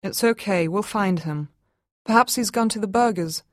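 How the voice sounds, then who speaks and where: A woman's voice: mid-range voice, moderate pace, dry recording, clean studio sound, close to an everyday voice. A woman reading a blustering husband. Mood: soothing. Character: impatient husband and father, gruff.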